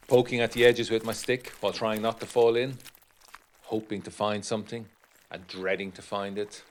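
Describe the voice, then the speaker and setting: A deep-voiced gentleman of the 1920s, played by a male actor, narrating a gothic audio drama letter. He is formal and measured, with an educated, literary turn of phrase and an undercurrent of unease. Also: a little hiss or hum, close to an everyday voice.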